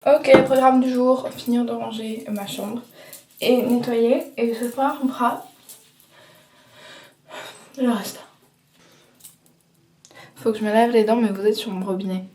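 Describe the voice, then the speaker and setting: A woman's voice: a little high, steady tone, unhurried, long pauses, warm tone, recorded from a distance, a little hiss or hum. A woman vlogging casually as she tidies her bedroom, chatty, rambling and poking fun at herself. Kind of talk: casual vlog chat while tidying. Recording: echoey room, voice from off-mic, faint background clatter.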